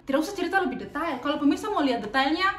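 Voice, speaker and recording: A woman from Maluku talks brightly to her viewers in a high voice. She chats casually and laughs often. The room is echoey. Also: racing, crowd noise. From Maluku, Indonesia. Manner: lively, laughs often, addresses viewers as pemirsa. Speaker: vlog co-host. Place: home room.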